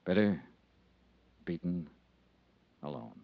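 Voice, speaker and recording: A man's voice: deep voice, slow, creaky, exaggerated voice. A man playing a hard-boiled insurance investigator in an old radio drama, American, narrating in a clipped, wry, intense way. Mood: somber, weary. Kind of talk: golden age radio detective drama acting. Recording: dull old radio recording with music.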